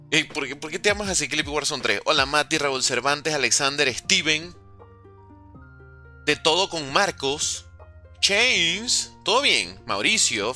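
A man's voice: on the high side, sharp tone. A young man hosting a gaming livestream, greeting viewers by name and teasing them in casual chat. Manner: chatty, teasing, reads chat names aloud.

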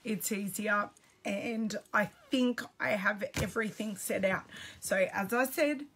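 A woman's voice: mid-range voice, unhurried, a bit bright, slightly rough. An Australian woman with a slightly scratchy voice, chatting casually on a live stream and greeting viewers by name. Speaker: craft product demonstrator.

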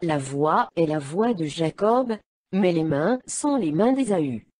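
A woman reading the lines of an elderly blind patriarch in a solemn, measured way. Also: lowish voice, animated, a little mellow, no room sound, studio quality. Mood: grave.

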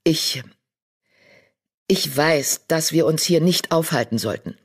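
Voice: medium pitch, takes it slowly, breathy edge. A narrator voicing Feuerstern, a male cat clan leader in an audiobook, commanding but friendly. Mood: firm.

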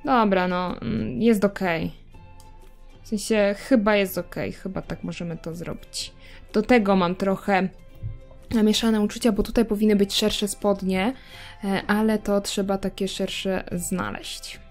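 A woman's voice: mid-range voice, steady tone, a little slow, faint music behind. Chatty woman narrating her gameplay. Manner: chatty, talks to her game characters; self-mocking asides. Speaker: gameplay video creator. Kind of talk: casual gameplay commentary.

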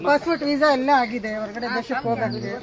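A woman with a high voice speaks quickly and earnestly, pleading as a devotee mother. Clear crowd chatter fills the background. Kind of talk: conversation at a temple.

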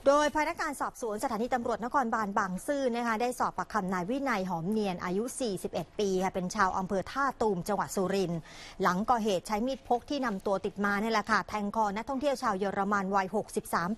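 A woman news reporter narrating a crime story in a brisk, polite news delivery. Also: medium pitch.

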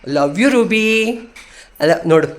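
A trans woman vlogger talks casually while walking outdoors on a hill, teasing and bossing her viewers loudly. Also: sits low, expressive, a little slow. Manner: loud, teasing and bossy, scolding the viewers playfully. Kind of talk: casual vlog. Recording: roomy echo.

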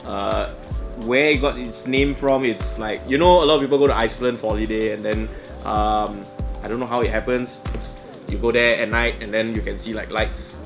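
A man's voice: fairly low pitch, fairly even intonation, normal speed, vocal fry, over music. Malaysian-English man rambling through a review. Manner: rambling, self-correcting. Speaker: sneaker show host. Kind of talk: casual product review chat. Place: indoor office studio with shelves.

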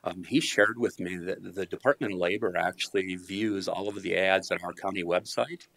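A middle-aged man presenting a county department budget at a public meeting, polite and measured, speaking into a podium mic. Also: deep voice, fairly even intonation, gravelly, fairly bright tone. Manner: measured, polite, uses fillers. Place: county commission meeting room.

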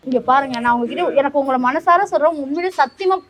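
A woman's voice: sits high, fast. A woman in her thirties, an interview guest, pleading insistently in a staged comic confrontation outdoors on a road. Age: 30s. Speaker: interview guest, social media personality.

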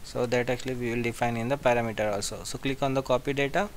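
A man giving a step-by-step software tutorial as an instructor, repeating his phrases as he goes. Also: medium pitch, fairly even intonation, quick pace, a little hiss or hum. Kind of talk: screen-share software tutorial.

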